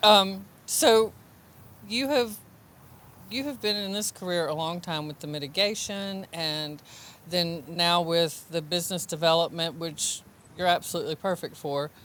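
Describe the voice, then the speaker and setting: Using a fairly low pitch and ordinary pitch variation, a woman with a Southern US accent talks at a fairly slow pace. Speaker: podcast host. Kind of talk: casual interview.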